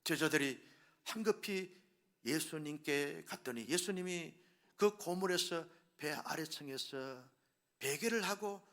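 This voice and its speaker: A middle-aged male pastor preaching a sermon, telling the story with drama and acting out the voices, swinging from hushed whispers to loud exclamations. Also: fairly high pitch, expressive, measured pace.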